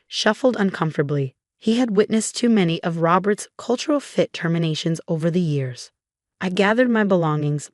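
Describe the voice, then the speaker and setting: A woman narrating a scripted first-person revenge story in a composed, even way. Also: lowish voice, dry recording, clean studio sound.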